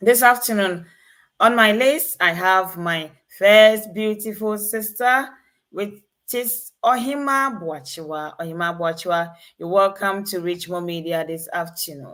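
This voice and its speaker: A woman's normal speaking voice, medium in pitch, with lively intonation at a fairly slow pace. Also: big swings in loudness. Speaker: health talk show host. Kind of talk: live-streamed talk show. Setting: online live stream. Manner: formal.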